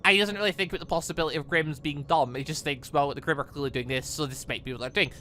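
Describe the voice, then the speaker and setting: A man's voice: fairly high pitch, rapid-fire, sharp tone, a little hiss or hum. A man hosting a gaming channel, reading through a visual novel with commentary, often stumbling and correcting himself aloud. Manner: stumbles over lines, self-correcting, exclaiming.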